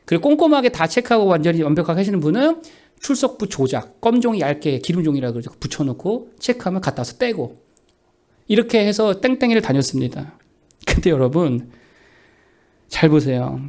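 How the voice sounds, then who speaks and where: Male pastor, middle-aged, preaching with a high voice and an animated, swinging delivery. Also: brisk. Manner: animated preaching, questions and answers to the congregation. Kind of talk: sermon.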